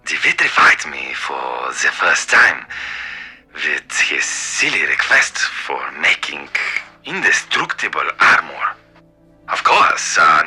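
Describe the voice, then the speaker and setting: An actor playing an eccentric, older German wartime scientist in a video game, excitable and arrogant, raspy and halting, with a German accent. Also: male voice, on the low side, heavily acted. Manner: halting, theatrical, with abrupt outbursts. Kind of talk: video game character acting.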